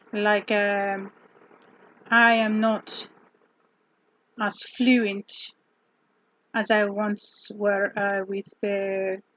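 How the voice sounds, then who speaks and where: A woman with a non-native accent and a medium pitch speaks at a very slow pace in a flat monotone. She takes long, frequent pauses. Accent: foreign. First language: not English. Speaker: vlogger. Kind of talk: personal vlog. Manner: halting, many fillers.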